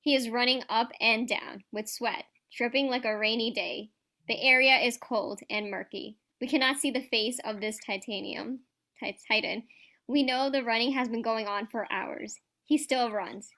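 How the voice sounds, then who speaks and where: A woman's voice: fairly high pitch, fairly even intonation, moderate pace, sharp tone. A woman reading scripted stage directions as narrator of a staged reading.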